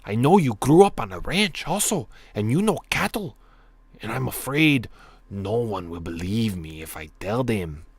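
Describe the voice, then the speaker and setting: A man's voice: expressive, a little slow, husky, full character voice. A man voicing a worried middle-aged male rancher phoning the police, with an exaggerated Mexican accent and an urgent, pleading manner. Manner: pleading, urgent, loud and high.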